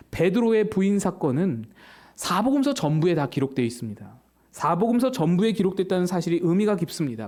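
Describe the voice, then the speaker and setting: Animated woman pastor preaching. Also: lowish voice. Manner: animated storytelling, asks the congregation questions. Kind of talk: sermon.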